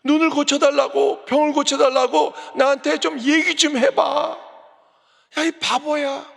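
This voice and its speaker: A man's voice: very high-pitched, little pitch movement, unhurried, creaky, in a large hall, pitched above the performer's own voice, full character voice. A man voicing a distraught father who scolds and pleads with his blind daughter in a raised voice. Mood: anguished. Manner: shouting, exasperated scolding.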